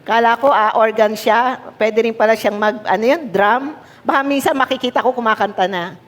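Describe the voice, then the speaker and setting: A woman's voice: fairly high pitch, normal speed. A woman pastor with a Filipino accent preaching a sermon, switching between Tagalog and English, repeating key words for emphasis and calling on the congregation to answer. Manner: mixes Tagalog and English, asks the congregation for responses. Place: church hall. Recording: long hall reverb.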